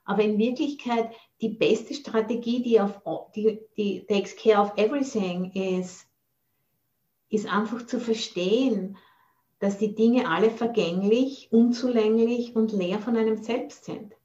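A woman's voice: mid-range voice, measured pace, mellow, muffled recording. A woman giving a Buddhist dharma talk over a video call, thoughtful and searching for words. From Austria. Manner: thoughtful, searching for words, mixes in English phrases. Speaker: Buddhist nun teacher.

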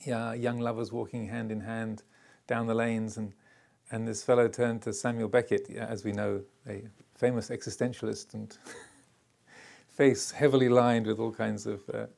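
An older man giving a reflective dharma talk as a Buddhist teacher, speaking haltingly with many pauses and hesitations. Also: lowish voice, level tone, vocal fry, a little mellow. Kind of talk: dharma talk to a retreat group.

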